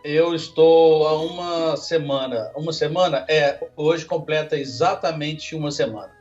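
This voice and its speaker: A man co-hosting a casual podcast, chatting with quick, jokey asides. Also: a little high, a little mellow, muffled recording, faint music behind. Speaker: podcast co-host.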